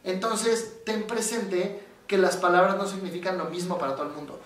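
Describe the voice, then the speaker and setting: Mexican male psychologist, casual animated explainer, high voice, roomy echo, off-mic. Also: normal speed, far from the mic. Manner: animated storyteller, acts out quoted voices. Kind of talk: casual explanatory talk to camera. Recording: very echoey room, voice from off the mic.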